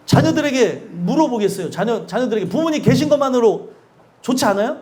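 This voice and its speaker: High-voiced, lively male pastor preaching. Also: fairly quick. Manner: emphatic and conversational, often asking the congregation questions; acts out quoted speakers with sudden drops in pitch and loudness. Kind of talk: sermon.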